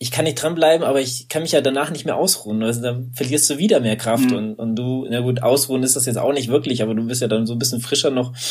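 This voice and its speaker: With fairly even intonation and a somewhat breathy sound, a man talks very fast. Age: 40s. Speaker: podcast host. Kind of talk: casual chat. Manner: halting.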